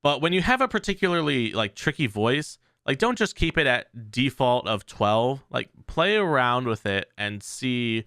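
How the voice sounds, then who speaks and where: A man's voice: medium pitch, big pitch swings, moderate pace, hardly any pauses, a bit bright, clear, resonant tone, no room sound, clean studio sound. A man hosting a tech channel, giving a casual tutorial in a loose way full of fillers. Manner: loose, filler-heavy explaining.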